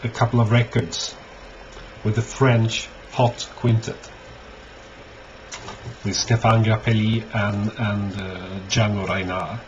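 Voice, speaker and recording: A man giving a casual, unscripted show-and-tell as a collector, halting often and thinking aloud. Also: on the low side, flat delivery. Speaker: record collector presenting finds. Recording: dull lo-fi audio, clear background noise.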